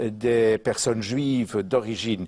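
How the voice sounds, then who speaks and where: A man with a Dutch accent talks at a moderate pace and a medium pitch. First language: Dutch (speaking French). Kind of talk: interview. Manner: hesitant, many fillers.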